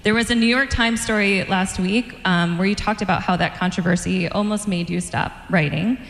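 A woman interviewer on stage asking measured, prepared questions, with occasional fillers. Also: medium pitch. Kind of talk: onstage author interview. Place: event stage before an audience. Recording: roomy hall, long reverb.

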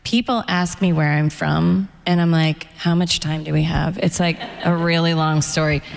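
A middle-aged American woman, an author and guest, talking in a reflective, candid and measured way at a live event interview in a hall. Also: sits low, fairly even intonation, gravelly, a little hiss or hum. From United States.

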